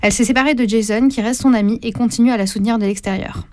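Woman doing her radio review, lots of euh, kinda high voice, dry sound. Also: fairly even intonation, fast, a little mellow, no room sound. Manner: hesitant, many fillers. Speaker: radio columnist. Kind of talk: reading a film review on community radio.

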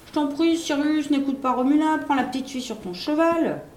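Woman voicing a gentle young girl, pleading, soft-spoken, higher voice, storybook reading, roomy sound. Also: animated, brisk, a little hiss or hum.

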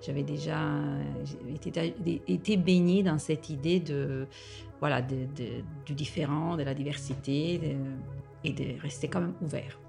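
A woman's voice: low-pitched, steady tone, measured pace, gravelly, mellow, soft background music. A middle-aged woman from northern Italy with an Italian accent, talking casually as a podcast guest, hesitant, with many fillers and restarts. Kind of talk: casual interview talk.

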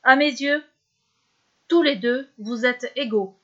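An earnest, thoughtful young king from a storybook, as a woman narrator puts him on. He speaks solemnly and sincerely in a high-set voice, and the recording sounds slightly dull and lo-fi. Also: takes it slowly.

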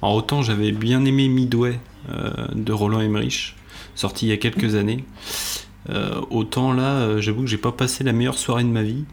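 A man on a casual film podcast reviews a film in a hesitant way, pausing often and sounding mildly exasperated. His voice sits at a middle pitch. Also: steady tone, vocal fry, a little mellow, a little hiss or hum. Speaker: podcast panelist.

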